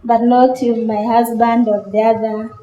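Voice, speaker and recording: A woman's voice: a little high, flat delivery, moderate pace, mellow, muffled recording. A woman giving a personal account in a documentary. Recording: echoey room, music underneath. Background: background music.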